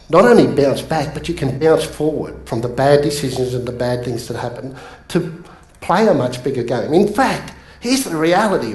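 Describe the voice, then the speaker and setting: An Australian man giving an energetic, jokey motivational seminar talk, addressing the crowd. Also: fairly high pitch. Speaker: motivational speaker. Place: large seminar room. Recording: echoey room.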